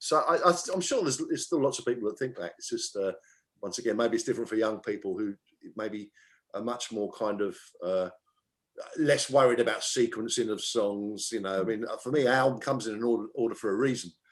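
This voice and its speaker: A man with an English accent speaks at a fairly quick pace, his medium pitch showing ordinary variation. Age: 60s. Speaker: rock musician. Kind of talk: interview. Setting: video call. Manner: halting.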